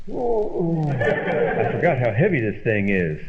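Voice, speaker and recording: A man's voice: mid-range voice, wildly swooping pitch, takes it slowly, crowd noise, exaggerated voice. A man playing a skeptical, exasperated, sarcastic roommate in an old-time radio comedy. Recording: muffled, noisy old-radio sound.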